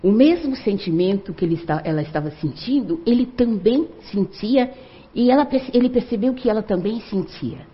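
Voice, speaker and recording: An older woman telling a story to an audience in an animated, conversational way. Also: medium pitch, moderate pace. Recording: muffled lo-fi recording.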